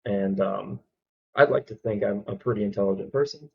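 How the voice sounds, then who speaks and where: A man from Alabama with a Southern accent, reacting to a video in casual commentary, halting with many ums and restarts. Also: lowish voice, creaky, lo-fi sound.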